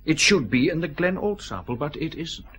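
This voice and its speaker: An actor playing a precise customs officer who patiently explains a lab analysis. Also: male voice, on the high side, expressive, moderate pace, fairly bright tone, husky, soft background music. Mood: explaining. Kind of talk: radio drama acting.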